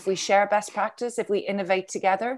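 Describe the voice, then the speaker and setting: On a very clean recording with a silent background, a woman with an Irish accent speaks at medium pitch with fairly even intonation. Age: 50s. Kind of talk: interview.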